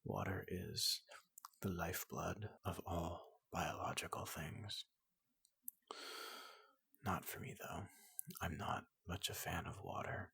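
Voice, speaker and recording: A person softly voicing a large, gentle robot doctor in an ASMR roleplay, often whispering, speaking slowly and haltingly to reassure a patient. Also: sits low, husky, no room sound. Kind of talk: soft-spoken ASMR roleplay.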